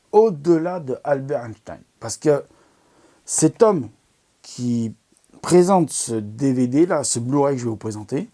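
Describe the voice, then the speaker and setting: Here the amateur astronomy host has a warm, medium-pitched voice. He chats enthusiastically about documentaries he recommends, wandering off track and restarting often with lots of filler words, much like an easygoing product recommendation.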